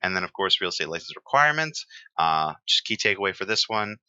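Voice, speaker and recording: A man teaching real estate exam terms in a relaxed, chatty lecture, with many fillers and pauses. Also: sits low, clean tone, no room sound, lo-fi sound.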